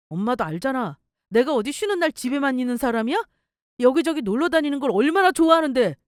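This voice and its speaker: A woman's voice: sits high, dry recording, studio quality, pitched above the performer's own voice. A woman voicing a frustrated young husband who argues defensively with his mother in a story radio drama. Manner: exasperated, pleading, defensive.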